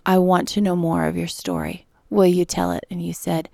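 A woman hosting a podcast, earnest and soft-spoken, sometimes dropping almost to a whisper. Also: fairly low pitch, flat delivery, moderate pace, creaky, dry recording, clean studio sound. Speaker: podcast host. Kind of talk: scripted intro, then gentle interview.

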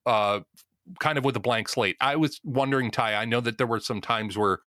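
A man hosting a podcast discussion, speaking in a measured, deliberate way and steering the questions. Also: medium pitch, a bit bright, no echo, studio quality. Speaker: podcast host.

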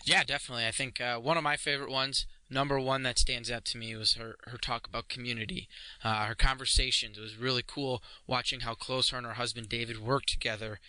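A man talks through his takeaways in a casual podcast discussion. His voice is very bright and forceful at a medium pitch, recorded dry, and he sounds emphatic and agreeable. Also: little pitch movement, fast, no room sound, low-quality recording. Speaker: podcast co-commentator giving takeaways.

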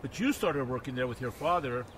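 A podcast host with a mid-pitched male voice asks his questions warmly and admiringly, dropping in the occasional "uh" as he goes. Steady traffic noise from an outdoor setting runs clearly under his voice. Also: a little fast. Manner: warm and admiring, with frequent filler "uh". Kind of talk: conversational interview.

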